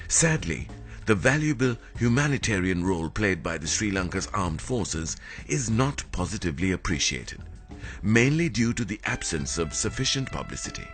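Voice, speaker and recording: A man reading a formal, scripted documentary narration in a measured way. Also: sits low, a bit bright.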